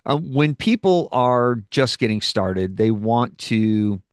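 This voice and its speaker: A man hosting a podcast interview who talks in a relaxed way, with frequent ums and uhs. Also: medium pitch, slow pace, no echo, clean studio sound. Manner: relaxed, hesitant with many fillers. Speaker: podcast host.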